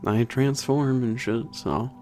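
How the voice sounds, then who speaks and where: A man playing a big, burly, soft-hearted werewolf maintenance trainer in an ASMR roleplay, talking to the listener in a halting, casual, sweary and earnest way. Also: mid-range voice, steady tone, faint music behind, close to an everyday voice. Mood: gently teasing. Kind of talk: ASMR roleplay audio drama, spoken to the listener.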